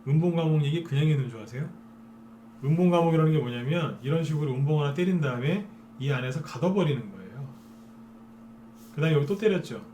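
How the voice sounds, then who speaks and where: A man's voice: a little high, animated, quick pace, mellow, a little hiss or hum. A man giving a live stock trading lecture as a broadcaster, persuading viewers and often asking them to agree.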